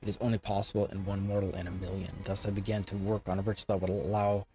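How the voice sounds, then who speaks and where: A man's voice: fairly low pitch, level tone, quick pace, dark tone, close to an everyday voice. A man voicing an arrogant, lordly ancient undead lich from a fantasy game, with haughty, formal, archaic speech. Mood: proud. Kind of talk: reading game dialogue in character.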